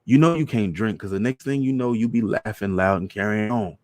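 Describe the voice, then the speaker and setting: A grown son, as a male reader plays him, gentle yet disapproving. He admonishes point by point with some embarrassment, in a storybook reading with dry sound. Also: lowish voice, fairly quick, no echo, close to an everyday voice. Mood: lecturing. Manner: admonishing, methodical. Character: gentle but reproving grown son, embarrassed by his mother.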